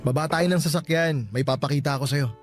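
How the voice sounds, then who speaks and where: A man's voice: on the high side, fairly even intonation, fast, natural voice. A man playing a teasing, easygoing young suitor in a radio romance drama. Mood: reassuring. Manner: casual, teasing. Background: music.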